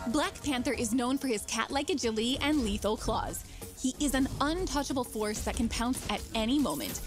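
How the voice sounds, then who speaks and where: A woman reading scripted promotional narration for a game trailer, smooth and upbeat. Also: a little high, expressive, normal speed. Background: trailer music.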